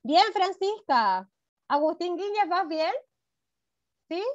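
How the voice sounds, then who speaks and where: A woman's voice: very high voice, expressive, takes it slowly. A woman with a Chilean accent teaching a first-grade class online, affectionate and encouraging with her pupils. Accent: Chilean Spanish. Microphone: video call. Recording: dull lo-fi video call audio.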